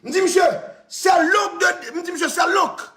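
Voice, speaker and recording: A man with a Haitian accent, ranting loudly on a live stream, repeating phrases and laughing between shouts. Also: very high-pitched, moderate pace, reverberant. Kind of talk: heated live-stream rant.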